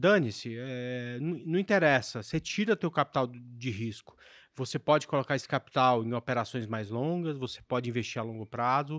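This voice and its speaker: A man with a fairly high pitch and lively intonation talks at a moderate pace, the sound dry with no echo and the background quiet. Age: 40s. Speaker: trader and market analyst; podcast host. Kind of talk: casual podcast chat; casual podcast talk. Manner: hesitant, many fillers and repetitions. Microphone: studio mic.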